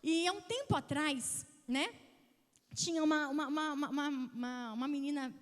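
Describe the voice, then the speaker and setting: A woman's voice: high voice, moderate pace. A Brazilian woman in her thirties, a pastor preaching an emphatic sermon and acting out the people in her stories. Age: 30s. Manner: emphatic, acts out quoted voices. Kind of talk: sermon with storytelling. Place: church hall, broadcast on TV. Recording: long reverb of a church hall.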